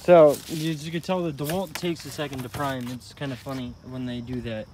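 Outdoors on a garden walkway beside a tree, a man casually reviews pressure washers for a product demo vlog, filmed first-person on a body-worn camera. He rambles, corrects himself and uses lots of fillers, speaking at normal speed with a steady, medium-pitched voice over heavy background noise.

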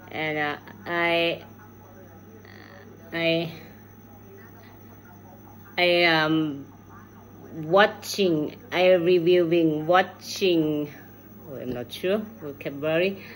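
A Thai-accented middle-aged woman from Thailand leaves an unscripted video message, her phone at arm's length in a room at home. She speaks learner's English hesitantly, hunting for words, in a low-pitched voice. The audio is poor.

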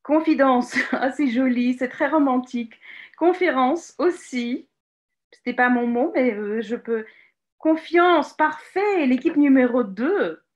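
A woman from Ukraine leads a teacher-training session over a video call, her voice sitting a little high. She talks in a lively, encouraging way, stopping often to search for words with filler sounds, and praises participants as they answer. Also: slow pace, dull audio. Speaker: teacher trainer giving a webinar talk. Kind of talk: live online workshop presentation. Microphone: computer mic on a video call.

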